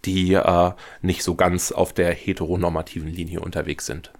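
A man's voice: low-pitched, flat delivery, moderate pace. A young man being interviewed about his audio drama, speaking in a reflective, earnest way. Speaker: guest, audio drama author. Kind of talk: podcast interview.

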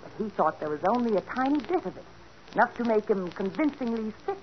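A woman's voice: fairly high pitch, very animated, brisk. An actress playing a greedy young woman who poisons her husband, menacing and mock-sweet, in 1940s radio acting on a dull old recording with hiss. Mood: scheming.

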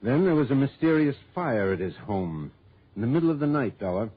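A man's voice: medium pitch, big pitch swings, a little fast, breathy edge. An actor playing an opinionated, folksy male client who insists on his suspicions, in 1960s radio drama style. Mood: insistent. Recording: tinny old radio broadcast.

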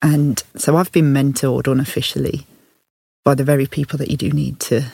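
A woman's voice: rumbling low, flat delivery, normal speed, vocal fry, dark tone, husky, dry recording, studio quality. A woman with a Birmingham accent, from the Midlands, telling her career story thoughtfully as a podcast guest, often laughing. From English Midlands. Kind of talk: candid reflective conversation.

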